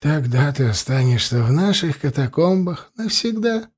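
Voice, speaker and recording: A man voicing a calm, scheming old male high priest who speaks with soft, measured insistence. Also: husky. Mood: smug.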